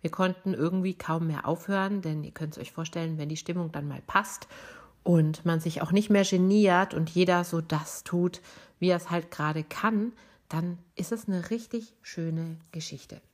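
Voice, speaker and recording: A middle-aged woman with a raspy, rough-edged voice, hoarse from bronchitis, telling a personal story as a podcast host. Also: on the low side, normal speed.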